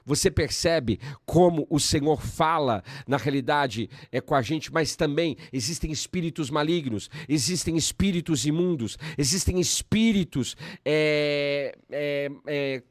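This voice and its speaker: Brazilian pastor, dry close mic. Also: male voice, on the high side, a little slow, few pauses, dry recording. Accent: Brazilian Portuguese. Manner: preachy, emphatic bursts then calm explaining. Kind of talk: teaching conversation.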